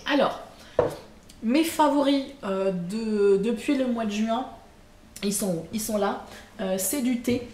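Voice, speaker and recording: Speaking slowly with long pauses in a fairly high voice, a woman vlogger records her casual monthly chat at home on camera. She's hesitant and keeps using fillers and correcting herself. There's echo in the room and a faint hum behind her.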